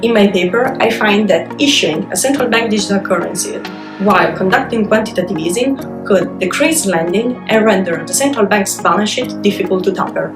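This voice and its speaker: Woman reading research summary, mid pitch, roomy echo, guitar music behind. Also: fairly quick. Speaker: economics researcher. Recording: echoey room with plucked guitar music.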